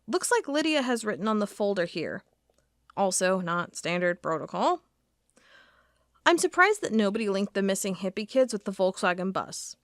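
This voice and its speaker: A woman's voice: mid-range voice, sing-song, moderate pace, no room sound, studio quality. A woman playing a methodical federal agent. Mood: dry, reading. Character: female federal agent, methodical, increasingly uneasy. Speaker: investigator reviewing case files. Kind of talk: audio drama monologue.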